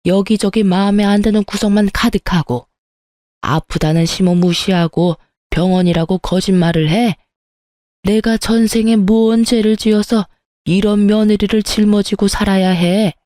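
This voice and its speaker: A woman's voice: mid-range voice, fairly even intonation, moderate pace, dark tone, no room sound, studio quality, close to an everyday voice. A woman voicing a harsh older mother-in-law who berates and insults her daughter-in-law in a storybook reading. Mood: angry scolding.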